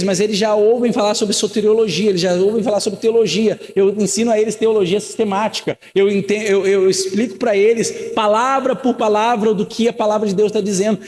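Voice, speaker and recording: A man in his thirties preaches a sermon in a high, bright voice. His talk is earnest and conversational, and he keeps circling back with rhetorical questions and repeated phrases. The church around him leaves a long, ringing tail of reverb. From Rio de Janeiro, Brazil. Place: church sanctuary.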